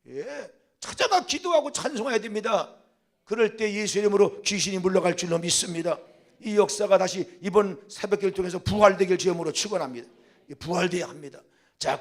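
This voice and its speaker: An older man, a senior pastor, preaching a fervent sermon that swings from loud calls to the congregation into quieter storytelling. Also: high voice. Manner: quieter storytelling when recounting a past event.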